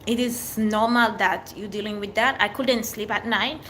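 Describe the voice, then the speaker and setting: A woman's voice: mid-range voice, steady tone, normal speed, noisy background. A middle-aged woman from Haiti with a French accent, chatting openly and earnestly on a livestream, answering viewers in short, restarting phrases. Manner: open, earnest, speaks in short fragments with restarts. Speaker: livestream host.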